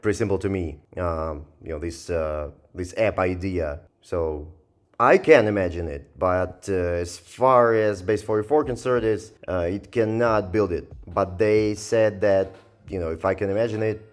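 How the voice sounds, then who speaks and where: A man giving a casual, rambling software review, thinking aloud in a hesitant and sardonic way as he goes. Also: low voice. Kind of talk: casual screen-recorded review commentary.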